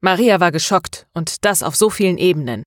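A woman narrates a novel in a steady, measured way, her voice low. The recording is close and dry, with no room around it. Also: no room sound. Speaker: audiobook narrator. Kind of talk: scripted narration.

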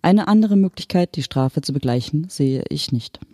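A reader voicing an unfeeling hologram official who speaks in a calm, matter-of-fact, bureaucratic manner. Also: medium pitch, normal speed, no echo, studio quality. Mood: detached. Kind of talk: audiobook character voice.

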